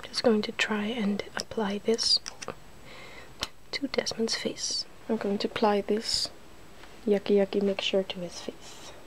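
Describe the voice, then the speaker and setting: Whispering female ASMR host, slow and soft. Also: medium pitch, level tone, rough recording. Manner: playful, giggly. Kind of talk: ASMR, softly narrating a face-paint makeover.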